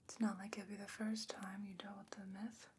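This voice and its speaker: A woman's voice: mid-range voice, flat delivery, lightly acted. Whispering woman playing a concerned fantasy scholar. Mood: hushed musing. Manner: hushed, deliberate, musing. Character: concerned fantasy scholar woman, candid, gently scolding confidante. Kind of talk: whispered ASMR fantasy roleplay. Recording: noticeable background noise and ambience.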